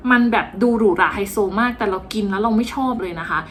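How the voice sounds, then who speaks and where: A woman's voice: mid-range voice, fast. Casting: woman vlogger, playful and chatty, some faint background noise. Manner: chatty, playful, self-mocking. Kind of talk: casual cooking-class vlog narration.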